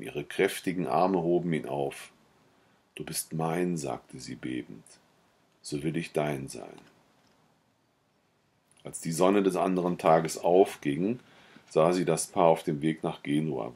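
A man reading a novella aloud in a calm, measured way, then chatting briefly at the end. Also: rumbling low, husky. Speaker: audiobook reader.

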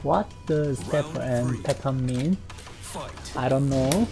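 A woman streaming her own fighting game match, calling the play and breaking into loud cries and laughs. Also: extremely low pitch, very slow. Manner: reads viewer chat aloud. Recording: game music playing loudly behind.

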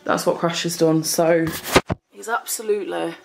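A woman, a bit hoarse, chatting casually and rambling to camera in her kitchen, swearing and laughing now and then. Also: on the low side, steady tone, normal speed. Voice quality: a bit hoarse, froggy throat. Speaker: cleaning vlogger. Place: home kitchen, indoors. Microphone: camera in front of her at table height. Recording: echoey kitchen with background noise.

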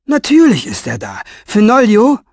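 A tired, disapproving woman, put on by a male reader, speaks briskly and firmly. Her lines sit well above the narrator's voice and the sound stays dry. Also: high voice, sing-song, gravelly, a bit bright, breathy edge, no echo, pitched above the performer's own voice, full character voice. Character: weary woman, firm and disapproving.

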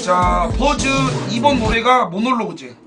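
Brief: high, swooping male streamer, loud and excitable, mic set back with game music playing. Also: a little slow, recorded from a distance. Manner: excitable, loud outbursts, frequent swearing. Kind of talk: casual live-stream commentary.

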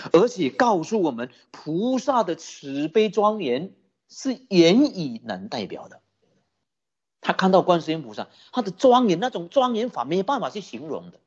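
Buddhist preacher telling a story, lively swinging pitch, husky tone, dull lo-fi sound. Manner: animated, many rhetorical questions to the audience. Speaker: Buddhist dharma teacher. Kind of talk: storytelling sermon.

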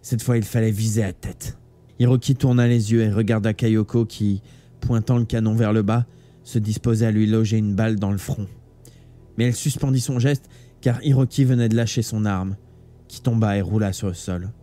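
A man narrating a novel live in a warm, mellow voice, with steady and dramatic storytelling. A soft bed of music plays faintly behind him. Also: lowish voice, normal speed. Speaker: audiobook reader.

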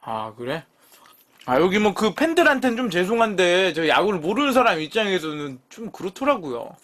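A man in his thirties talks casually to his live stream audience, teasing and cursing as he argues with the chat. His voice sits high and swings widely between low mumbles and loud outbursts. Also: big pitch swings, normal speed. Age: 30s. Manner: swears freely, teasing and bickering with chat. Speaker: live-stream eating show host.

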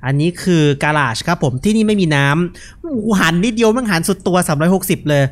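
A young man gives casual, joking horror game commentary, relaxed and unafraid, speaking into a headset mic. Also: sits high, quick pace. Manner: laid-back, joking, unafraid. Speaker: gaming video host.

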